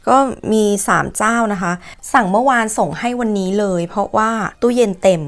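A woman's voice: mid-range voice, brisk. A young woman from Thailand chatting casually in a vlog, playful and joking, with cheeky slang. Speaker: vlogger.

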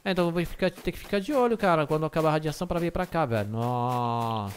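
A man with an Algerian accent commentates his gameplay on a gaming mic, loud and excitable, often shouting. His voice sits a little high and swings widely. A faint hiss sits under the recording. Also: fast. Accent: Algerian, Arabic and French mix. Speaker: gaming YouTuber. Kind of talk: let's play commentary.

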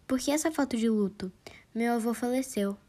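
A woman reading out comic chat exchanges, voicing both sides with quick, deadpan delivery. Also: fairly high pitch. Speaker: narrator reading chat jokes.

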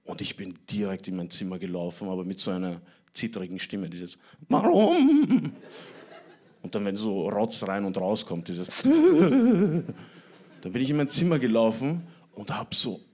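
A young man doing a stand-up comedy set on a club stage, telling an animated story and acting out voices. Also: sits low, brisk. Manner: animated storytelling, acts out whiny teen voices.

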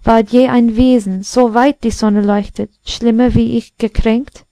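A woman's voice: on the high side, fairly even intonation, a little slow, dark tone, no room sound. A woman voicing a mournful little porcelain pot that sings its lament in a storybook reading. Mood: plaintive. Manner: plaintive, singing lament.

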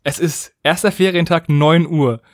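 A man chats informally on a podcast. His voice sits a little higher than most men's, recorded dry with almost no echo. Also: unhurried. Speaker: podcast host. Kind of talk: casual podcast chat.

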